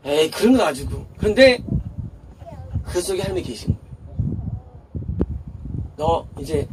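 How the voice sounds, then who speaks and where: A man's voice: high voice, big pitch swings, brisk. A male pastor giving a chatty, conversational sermon, posing rhetorical questions to the congregation and answering them himself. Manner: chatty and informal, with laughs in passing. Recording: voice a bit distant from the mic, faint background noise.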